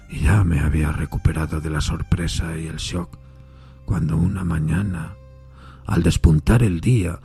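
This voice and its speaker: An actor playing a haunted, anguished railway signalman who tells his story gravely in an audio drama, with a gravelly, husky voice. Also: sits low, warm tone. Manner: grave, troubled, deliberate storytelling. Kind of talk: dramatised Spanish-language audio fiction.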